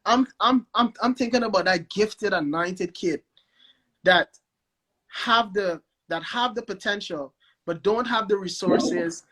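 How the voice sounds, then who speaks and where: Animated Guyanese man, high bright voice. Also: measured pace, low-quality recording. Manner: animated, repeats himself, enthusiastic. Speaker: guest, record label founder. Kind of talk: casual interview over a live stream.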